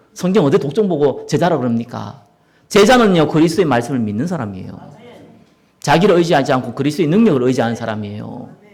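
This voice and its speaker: Very wide pitch swings come at a very fast pace, with audible room echo around the voice. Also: man. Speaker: pastor. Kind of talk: sermon. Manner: animated.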